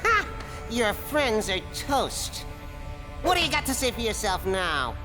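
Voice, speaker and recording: A rough cartoon henchman who gloats and threatens, his voice swinging widely. Clear music plays behind. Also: sits high, big pitch swings, unhurried. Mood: gloating. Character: brutish male henchman, eager to fight.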